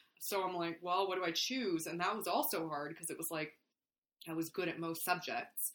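A woman with a Canadian accent speaks at a fairly low pitch and a moderate pace. She has an unremarkable speaking voice with ordinary pitch variation. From Canada, born in Bosnia. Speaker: photographer. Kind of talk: casual chat.

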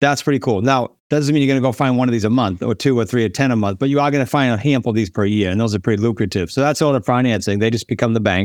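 A man with a New England accent speaks very fast with hardly any pauses, at medium pitch with ordinary variation and very even loudness. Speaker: real estate investor and author. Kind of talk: casual interview chat. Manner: fast talker.

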